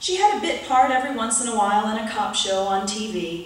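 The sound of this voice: A woman talks at a moderate pace with strong room echo around her.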